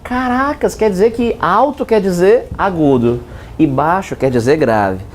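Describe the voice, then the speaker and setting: A man's voice: animated, unhurried, slight background noise. A man giving a joking physics lesson, playfully asking and answering his own questions. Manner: playful, talks to himself in both roles, swings pitch for effect. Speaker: physics teacher.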